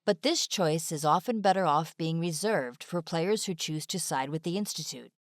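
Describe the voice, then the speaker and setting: Casting: female explainer narrator, slightly deep, scripted informational read, dry studio voice-over. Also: lively intonation, moderate pace, dry recording.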